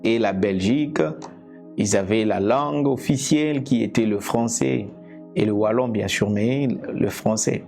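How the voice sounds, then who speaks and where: A man from Congo whose first language is Lingala, preaching a teaching sermon in a slow, deliberate way, repeating and restarting phrases. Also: fairly low pitch, vocal fry, darkish tone, soft background music. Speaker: evangelist preacher. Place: indoors, seated.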